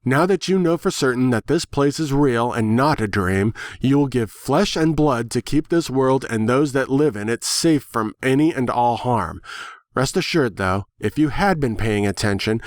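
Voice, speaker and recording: A man's voice: medium pitch, lively intonation, dry recording, studio quality, close to an everyday voice. Man voicing a smug, cryptic female bird. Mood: condescending. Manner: measured, formal, smugly superior speech. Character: snarky, cryptic, condescending female talking bird. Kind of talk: dramatic reading of fan fiction.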